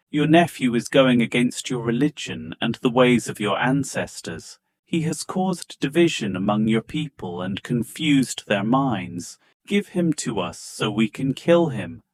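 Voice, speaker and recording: A man's voice: medium pitch, no echo, lightly acted. A man voicing a hostile tribal elder in a children's story, formal, insistent and coldly threatening.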